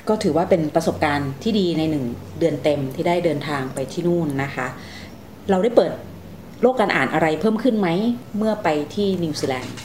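A woman's voice: low-pitched, lively intonation, brisk, a little mellow, slight background noise. A woman hosting a conversational interview, politely asking questions and summing up with some hesitation. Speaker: interviewer, show host.

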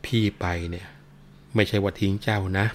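A man voicing a gentle warrior husband speaking softly and slowly. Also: deep voice, level tone, slight background noise, lightly acted. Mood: tender. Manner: soft, slow, consoling.

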